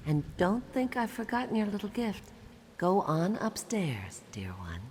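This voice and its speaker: A woman's voice: medium pitch, huge pitch swings, measured pace, noisy background. A woman playing an eccentric, doting and sinister old lady in a video game, with a sing-song way of talking. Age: older. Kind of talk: video game character acting.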